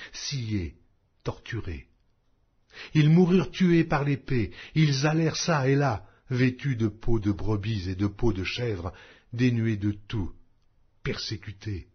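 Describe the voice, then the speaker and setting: A man narrating an audio Bible as a scripted reading, in a solemn, measured, carefully articulated manner. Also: medium pitch, slightly rough, dull audio.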